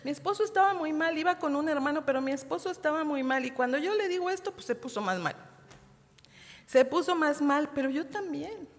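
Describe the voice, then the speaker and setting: A woman's voice: high voice, lively intonation. Mexican woman testifying in a reverberant church. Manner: heartfelt, addresses listeners as sisters, halting restarts. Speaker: women's meeting speaker. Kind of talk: emotional personal testimony sermon. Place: church hall. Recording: long church hall reverb.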